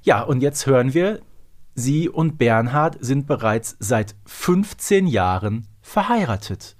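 A man's voice: medium pitch, expressive, slow. A man of forty co-hosting a casual fan podcast, explaining things in an analytical way. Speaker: podcast co-host.

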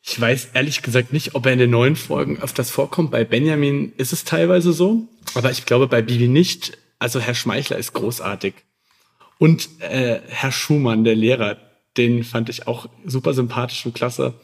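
A man's voice: medium pitch, normal speed, vocal fry. A man chatting casually as a podcast guest, sharing his opinions.

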